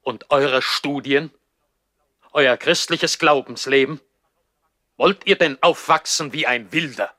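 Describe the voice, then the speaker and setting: A man's voice: mid-range voice, takes it slowly, pauses often, pushed and bright, no echo, studio quality. An actor playing a stern, formal baron and disapproving father in a German radio play from the 1960s. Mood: stern, reproachful. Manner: formal, admonishing, stiffly dignified.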